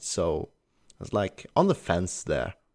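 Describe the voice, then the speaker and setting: A man with a Norwegian accent speaks at a fairly low pitch with lively intonation, recorded very cleanly against a silent background. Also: dry, close sound with no echo. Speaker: podcast co-host. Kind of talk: casual chat. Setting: bar.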